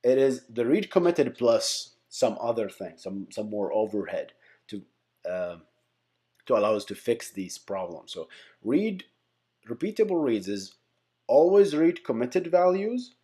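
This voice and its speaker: A man's voice: mid-range voice, sing-song, a little slow, dark tone. A man giving an informal lesson as host, explaining by example in a rambling way, often repeating and correcting himself. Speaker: tech teacher and channel host. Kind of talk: casual whiteboard-style lesson, explaining by example.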